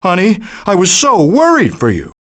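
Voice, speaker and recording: A hammy middle-aged possum father from a cartoon game. His voice is high and swoops widely as he declaims everything with pompous, theatrical flourish. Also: huge pitch swings, normal speed, heavily acted. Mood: anxious, mournful. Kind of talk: animated video game voice acting.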